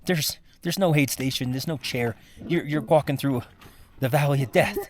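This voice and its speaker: A man giving a casual first-person vlog monologue, sounding exhausted, with a weary, halting, rambling way of talking. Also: medium pitch. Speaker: mountain climber recording a personal expedition vlog.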